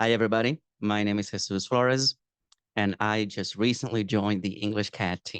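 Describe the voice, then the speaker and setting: Sounding dry and close with no echo, a man speaks confidently at a fairly low pitch with a Spanish accent. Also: fairly even intonation, moderate pace, quiet background. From Colombia. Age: 30s. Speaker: English teacher. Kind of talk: casual interview. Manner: fluent and confident.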